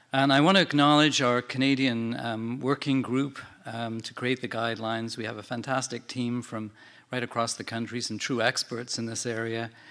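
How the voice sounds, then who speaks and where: This man speaks with an Irish accent at a medium pitch. His intonation is fairly even. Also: moderate pace. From Ireland, Dublin. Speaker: geriatric psychiatrist. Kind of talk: conference presentation.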